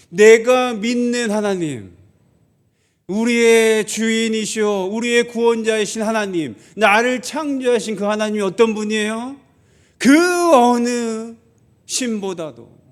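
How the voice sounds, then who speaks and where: A male pastor with a high voice preaches slowly to his congregation. He poses rhetorical questions and acts out grumbling children in quoted lines.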